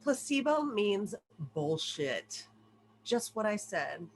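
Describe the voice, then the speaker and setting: A woman's voice: medium pitch, big pitch swings, slow, slight background noise. A woman playing a bored teenage pharmacy girl who taunts dryly, in an amateur table read. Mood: bored, scornful. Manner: dry, taunting.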